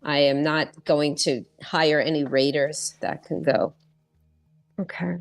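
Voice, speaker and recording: A woman's voice: sits low, steady tone, takes it slowly, soft background music. A woman from the US chatting casually while playing a board game online, often restarting her sentences. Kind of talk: casual chat while gaming.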